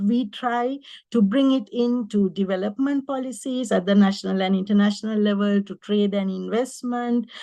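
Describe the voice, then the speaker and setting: A woman talks at a moderate pace with a medium pitch and a dark, mellow tone. Her intonation is fairly even, and the background is quiet. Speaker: human rights official. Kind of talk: panel discussion. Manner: halting.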